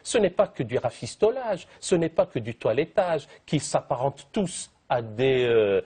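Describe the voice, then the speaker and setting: A man's voice: mid-range voice, sing-song, measured pace, a little mellow, husky. A man speaking as a guest in a televised debate, eloquent and fond of long, elaborate phrasing. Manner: eloquent, elaborate vocabulary, piles up synonyms.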